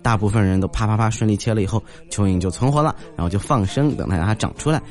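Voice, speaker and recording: A young man in his twenties who tells comic stories in a monologue. He talks in an animated way and often jumps into high character voices. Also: fast, soft background music. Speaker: comedic storyteller.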